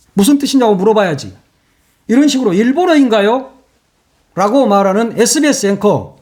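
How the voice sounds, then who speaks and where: A man's voice: sits high, darkish tone, slightly rough. An older man, a former broadcaster turned online commentator, ranting and scolding in sarcastic rhetorical questions.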